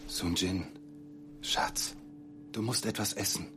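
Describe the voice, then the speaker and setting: An actor playing a caring husband and worried father in an audio drama, gentle and reassuring. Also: lowish voice, fairly even intonation, takes it slowly. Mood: coaxing, concerned.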